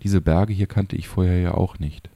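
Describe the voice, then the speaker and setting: A man's voice: low-pitched, steady tone, moderate pace, mellow, no room sound. A man voicing a curious foreign journalist in an audiobook, in a polite, questioning manner.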